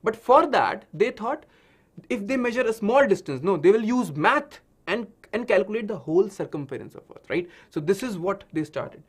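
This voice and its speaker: A male science teacher with an Indian accent, a native Hindi speaker, gives a lesson to children. His voice sits high and swings widely in pitch. He builds things up like a dramatic story and often checks in with short questions. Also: animated, moderate pace, slightly rough. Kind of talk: animated online lesson for children.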